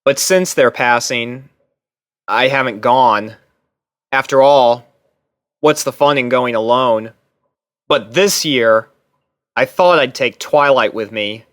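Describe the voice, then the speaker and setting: Man narrating a story, low and dry. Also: takes it slowly, long pauses, a bit bright, no room sound. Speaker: narrator and reader. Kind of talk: scripted first-person story narration.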